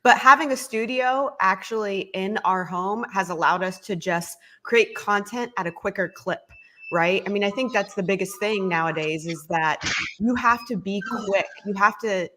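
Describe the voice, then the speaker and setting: A woman's voice: medium pitch, fairly bright tone. Upbeat, confident woman co-host. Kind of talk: casual online chat. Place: home office.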